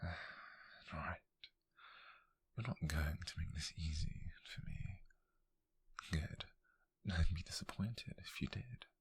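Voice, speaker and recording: A man performs a brooding British detective for an ASMR roleplay, very low and whispered. He is calm, menacing and possessively intrigued, and the husky, breathy words come slowly and deliberately. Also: exaggerated voice. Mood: controlled, curious.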